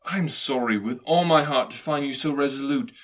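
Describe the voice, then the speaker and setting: A man voicing a cheerful, warm-hearted young gentleman in a storybook, gay and eager, with earnest pleading. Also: medium pitch, moderate pace, pitched above the performer's own voice, close to an everyday voice. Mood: earnest goodwill. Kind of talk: dramatised classic storybook reading.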